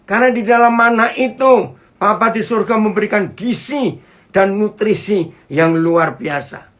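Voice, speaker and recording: Chatty high-voiced preacher giving an online sermon. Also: male voice, a bit bright. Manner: chatty, asks the listeners questions and greets viewers. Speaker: pastor. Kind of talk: online sermon over a video call. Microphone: computer mic on a video call.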